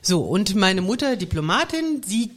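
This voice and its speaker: A woman's voice: medium pitch, big pitch swings, moderate pace. A middle-aged woman from Mainz, a native French speaker, whose Mainz German has a light Austrian tinge. She talks in a chatty, rambling way with many fillers and restarts, as a guest in a casual chat. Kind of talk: casual chat in a wine bar.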